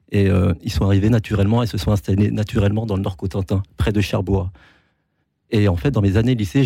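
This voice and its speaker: A man in his forties from Normandy, a photographer answering interview questions in a halting, earnest way with frequent restarts. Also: on the low side, vocal fry, dark tone, slightly rough, dry recording, clean studio sound. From France (Normandy). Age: 40s. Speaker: photographer guest.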